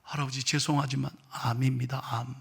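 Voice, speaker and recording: A male pastor acts out a doctor in a sermon story who gives an old patient grim news. He speaks quietly and gravely. The voice has a slight rasp. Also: medium pitch, little pitch movement, fairly quick, voice pushed down, heavily acted. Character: hospital doctor breaking bad news, grave.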